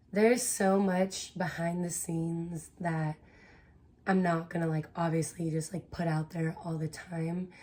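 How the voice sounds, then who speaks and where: Her pitch is fairly low for a woman, and her intonation is monotone and flat. She speaks at a fairly slow pace. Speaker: vlogger. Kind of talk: casual personal talk.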